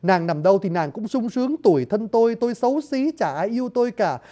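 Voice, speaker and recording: A narrator voicing a lovelorn young woman who wails and laments in a high, sobbing voice. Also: lively intonation, quick pace, mellow, close to an everyday voice. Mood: wailing. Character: young lovelorn woman, tearful and self-pitying.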